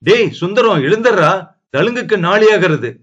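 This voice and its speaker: A man doing a brisk, bossy old mother. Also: high-pitched, animated, fairly bright tone, lo-fi sound, voice pushed up. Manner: scolding, hurried wake-up call.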